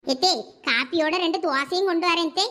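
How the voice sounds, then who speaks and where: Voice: very high voice, fairly quick, bright, forceful tone. A voice actor playing a patient young wife coaxing her mother-in-law in a cartoon, with a Thoothukudi Tamil accent. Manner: coaxing, persuasive. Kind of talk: cartoon voice acting.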